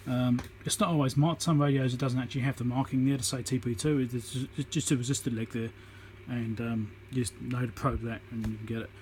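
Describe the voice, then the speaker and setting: A man's voice: medium pitch, steady tone, a little fast, few pauses, darkish tone, a little hiss or hum, rough recording. A man giving an informal, matter-of-fact hands-on repair tutorial, thinking aloud as he works, recorded on a phone on a tripod. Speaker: electronics repairer demonstrating.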